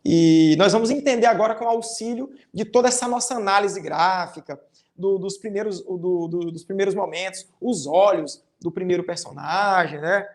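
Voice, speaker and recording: This is a teacher with a Brazilian accent, talking a class of children through a recorded lesson. The explanations go one careful step at a time, with a tag question closing many phrases. Sample sentences get read aloud with strongly exaggerated rises and falls in pitch. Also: moderate pace, darkish tone. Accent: Brazilian Portuguese. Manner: reads quoted lines with exaggerated intonation. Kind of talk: recorded online class for fifth graders.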